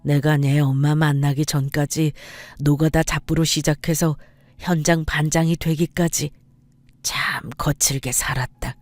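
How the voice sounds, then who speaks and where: A woman doing a slow, gentle dead father's voice. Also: low voice, steady tone, no room sound, faint music behind. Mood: earnest.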